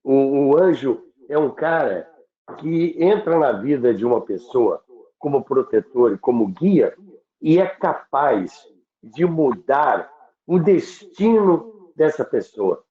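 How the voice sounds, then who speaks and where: In a mid-range voice that is very animated yet slow, a male radio history commentator with a Brazilian accent tells stories in a conversational way. Repetition and lists carry his emphasis, and the recording has a thin phone-like sound with roomy echo.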